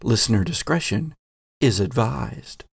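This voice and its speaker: A male podcast host and game master with a creaky, mid-pitched voice. He takes his time over introductions and announcements, deliberate and playfully emphatic, in a dry recording. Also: animated, no room sound.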